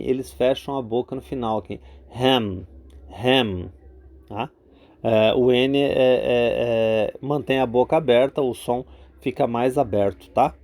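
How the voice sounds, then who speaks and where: A man's voice: medium pitch, dark tone. A Brazilian man with a Brazilian Portuguese accent, teaching English vocabulary in a casual spoken lesson, full of fillers and repeated "tá?" check-ins.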